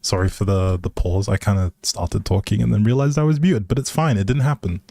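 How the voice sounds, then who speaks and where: A man's voice: on the low side, a little fast, dark tone, dry recording. A man casually chatting with viewers as he hosts a game stream, easygoing and rambling in a hesitant way. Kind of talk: casual chat with viewers while gaming.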